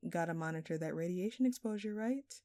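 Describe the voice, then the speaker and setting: Woman acting a smug, flirty jewel thief, softly mellow. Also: fairly low pitch, no room sound, clean studio sound, natural voice. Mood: mock offended. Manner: teasing, sarcastic, drawn-out theatrical phrasing. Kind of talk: scripted audio roleplay addressed to the listener.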